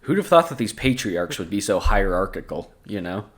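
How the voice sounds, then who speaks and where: His fairly low voice has a sing-song lilt and a moderate pace. As a podcast co-host, he reads from scripture but often drifts into crude joking and laughter.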